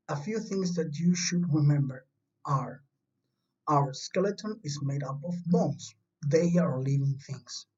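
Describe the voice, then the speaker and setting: Slow and mellow at a medium pitch, a Chilean primary school science teacher records a remote lesson for little children. The tone stays patient, simple and reassuring, though the home recording sounds distant, dull and lo-fi.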